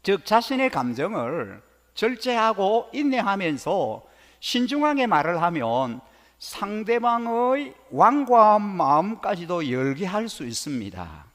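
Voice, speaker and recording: Lively preaching man in a church hall. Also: high voice, measured pace. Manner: lively preaching with dialect imitations. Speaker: pastor. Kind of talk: sermon. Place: church sanctuary.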